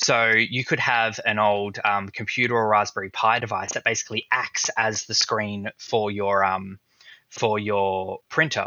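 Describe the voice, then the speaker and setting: A man's fairly low voice with an Australian accent, flat and monotone, at a fairly slow pace. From Melbourne, Australia. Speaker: software support employee. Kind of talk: casual chat. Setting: video call.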